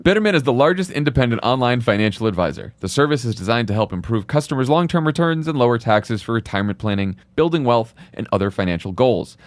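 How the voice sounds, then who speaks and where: A man's voice: medium pitch, lively intonation, fast talker, few pauses, no room sound. Man reading a podcast ad. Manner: chatty, breaks into laughs. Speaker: podcast host. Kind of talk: host-read ad.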